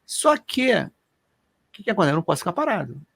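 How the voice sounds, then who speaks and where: Gravelly, lively man telling stories. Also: high voice, fast. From Brazil. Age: middle-aged. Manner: animated, colloquial, emotional storyteller. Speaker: co-host. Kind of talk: personal storytelling in casual chat.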